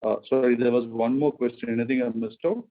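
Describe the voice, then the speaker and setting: A man speaking as a company finance executive, giving measured corporate answers to analysts on an earnings conference call. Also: medium pitch, steady tone. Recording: phone-like conference call line.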